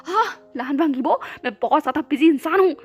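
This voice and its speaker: A woman voicing a hot-tempered male executive assistant who shouts and scolds in exasperation. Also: very high voice, lively intonation, brisk, soft background music. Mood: yelling.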